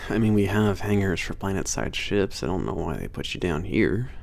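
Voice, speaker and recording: Deep, gravelly laid-back werewolf guy, acted by a man. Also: lively intonation, moderate pace. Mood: casual, wry. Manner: hesitant, teasing, sighing and chuckling casual talk. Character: male werewolf maintenance trainer, casual, a bit of attitude. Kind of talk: ASMR roleplay audio drama.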